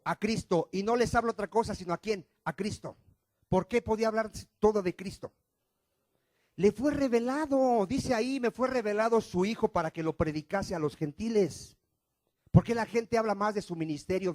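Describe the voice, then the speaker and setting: A male pastor, preaching a sermon, firing rhetorical questions at the congregation and swinging between loud emphatic lines and quiet ones. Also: high voice, no room sound.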